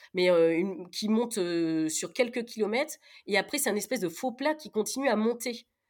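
A woman talks at a moderate pace with a fairly high pitch and lively intonation. The recording is very clean, with a silent background. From western France, La Rochelle area. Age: 40s. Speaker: amateur triathlete. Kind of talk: interview. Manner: hesitant, many fillers.

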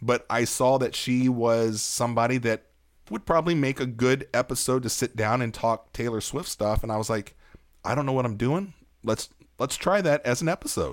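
A man talks in a plain, everyday voice at a medium pitch. His pace is moderate, with ordinary pitch variation. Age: 40s. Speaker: podcast host. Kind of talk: casual chat. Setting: video call.

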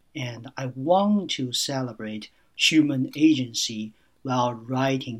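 Over a silent background in a very clean recording, a man with a Chinese accent speaks at a medium pitch. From China. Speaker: historian, book author. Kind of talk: interview. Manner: halting, many fillers.

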